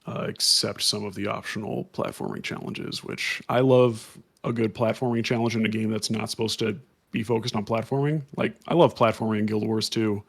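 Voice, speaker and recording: In a casual podcast chat, this male co-host explains things at length in a rambling, filler-heavy way, full of "um"s and restarts. He speaks at a moderate pace in a lowish, creaky voice with fairly even intonation.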